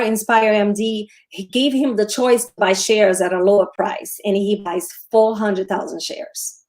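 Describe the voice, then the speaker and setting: A woman from Brazil with a Brazilian accent, hosting a casual livestream about stocks, often restarting sentences and answering viewer questions. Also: medium pitch. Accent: Brazilian Portuguese. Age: 40s. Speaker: show host, trader.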